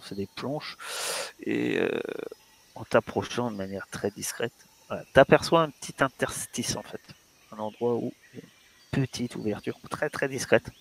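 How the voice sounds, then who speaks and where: A man's voice: lowish voice, creaky. A man narrating as game master, hesitant and full of fillers. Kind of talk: narrating a tabletop role-playing game.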